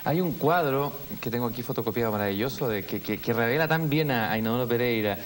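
A man's voice: mid-range voice, expressive, fast talker. Attentive male interviewer. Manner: attentive, lots of "mm" and "ujú" backchannels. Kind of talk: conversational interview questions. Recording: faint hiss.

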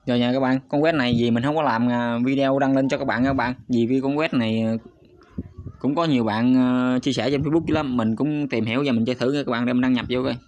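A man talks viewers through a screen recording at an ordinary middle pitch. He is chatty and hesitant, stopping on fillers and turning to his audience again and again. The recording sounds slightly dull and lo-fi. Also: steady tone, quick pace, a little mellow, dry recording. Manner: chatty, hesitant, often stops on fillers and addresses viewers constantly. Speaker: YouTube channel host. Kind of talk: casual screen-recorded walkthrough.

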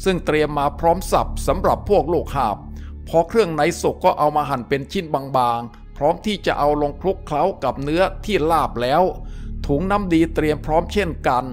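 A male storyteller reads an adventure novel aloud in a steady, descriptive manner. His voice sits somewhat high for a man. Faint music plays underneath. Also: a little fast. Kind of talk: audiobook-style story narration.

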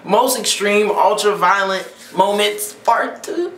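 A young man hosting a reaction video, talking in an excitable way and often exclaiming or shouting in disbelief. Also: high-pitched, moderate pace, slight background noise. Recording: echoey room.

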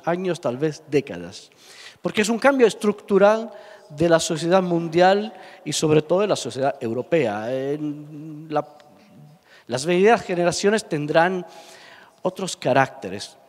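Impassioned Italian man in a hall. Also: a little high. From Sicily, Italy. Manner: impassioned, emphatic, halting with fillers and repeats. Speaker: panel speaker. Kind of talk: public panel talk. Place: large indoor hall, panel on stage. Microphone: handheld microphone. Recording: reverberant hall.

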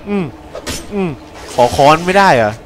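A man's voice: on the high side, animated, moderate pace, slight background noise. A young man giving casual, crude, joking commentary while playing a horror game, talking back at the game. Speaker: gameplay commentator.

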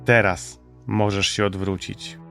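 Man playing a silky, cynical highwayman. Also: little pitch movement, slow, fairly bright tone, soft background music, exaggerated voice. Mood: threatening, silky. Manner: mocking, smooth menace. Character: cynical, silky French highwayman, cold-blooded killer. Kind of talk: dramatized audiobook acting.

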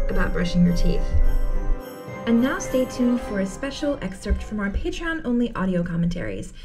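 A woman's voice: mid-range voice, far from the mic. A woman announcer reading scripted podcast credits. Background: music.

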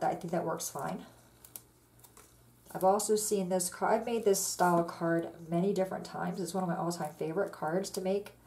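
A woman hosts a casual card-making tutorial at an indoor craft table, chatting in a relaxed way and walking through each step with fillers. An overhead camera on the tabletop shows only her hands. Her voice is medium-pitched, with slight background noise.

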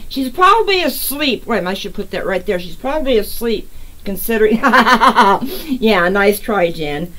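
A woman's voice: mid-range voice, animated, a little slow, fairly bright tone, rough recording. A woman hosting her own channel, chatting casually with viewers as she draws giveaway winners and greets them by name. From United States. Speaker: resin artist and channel host. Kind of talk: casual live giveaway chat.

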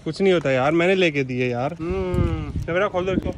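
A man with a notably high-pitched voice films a casual family vlog. He teases and coaxes children in a playful, chatty way. The camera audio carries clear background noise from outdoors. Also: brisk. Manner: playful, teasing, coaxing. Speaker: vlogger.

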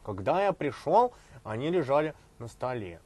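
A man's voice: medium pitch, very animated, normal speed, darkish tone, slightly rough, no room sound. A man voicing a naive, apologetic young mouse puppet on a children's show, with simple childlike phrasing. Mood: sheepish.

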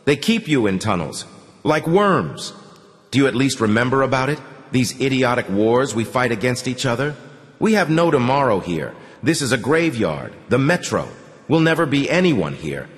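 Casting note: urgent, impassioned young man, read by a male narrator, lively swings in pitch, long hall echo. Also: normal speed, close to an everyday voice. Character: weary young man pleading to leave the tunnels.

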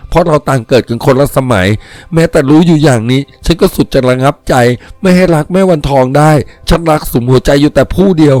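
A man's voice: fairly high pitch, quick pace, a little mellow, no echo, natural voice. A man playing a devoted, lovestruck painter in a story, pleading fervently and insistently. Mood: pleading, lovelorn.

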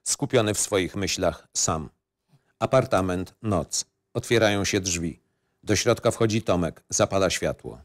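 Low-voiced man narrating a screenplay. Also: measured pace. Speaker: narrator reading stage directions.

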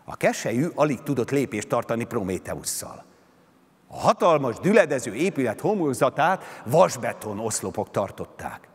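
A man giving a dramatic literary reading of a story, with expressive, sweeping intonation, on a concert hall stage. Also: medium pitch, breathy edge. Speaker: reciting actor.

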